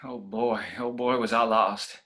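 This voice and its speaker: A man's voice: mid-range voice, little pitch movement, unhurried, pushed and bright. A Scottish actor reading the part of a shy, unsure young gay man in a virtual play reading, telling his story in a rambling, hesitant way. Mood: anxious. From Scotland.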